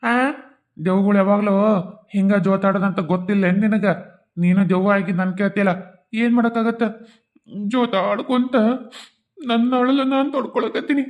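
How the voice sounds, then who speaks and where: A man's voice: sits high, steady tone, normal speed, pauses often. A man voicing a grieving male ghost in a cartoon, a betrayed husband, speaking North Karnataka Kannada in a wailing, complaining manner. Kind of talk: cartoon voice acting.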